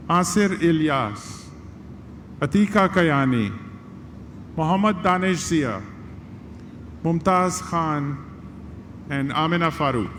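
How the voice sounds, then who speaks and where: A man speaks at a pulpit microphone in a measured, formal ceremonial tone. His voice sits a little higher than most men's. A long reverb trails each phrase through the large venue, over a faint background hiss. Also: fairly bright tone. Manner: measured, formal, reading out names and conferring degrees. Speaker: university vice chancellor.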